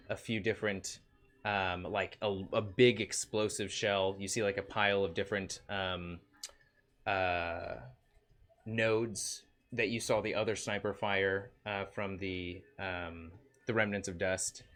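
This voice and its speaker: A man's voice: fairly low pitch, fairly bright tone. A man narrating a tabletop role-playing game as game master, filling his descriptions with ums and likes. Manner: hesitant, many ums and likes.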